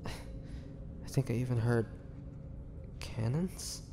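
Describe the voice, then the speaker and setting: A man playing a weary, brooding ancient vampire in a dramatic audio roleplay, speaking haltingly with a low, gravelly voice. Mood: confused. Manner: slow, halting, brooding delivery with pauses. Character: weary, imprisoned ancient male vampire, groggy and menacing. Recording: long cavernous reverb, background noise.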